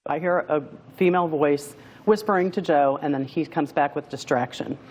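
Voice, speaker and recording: Woman guest on a talk show, hesitant, kinda halting, unsure of her words. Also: low-pitched, darkish tone. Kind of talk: emotional personal testimony.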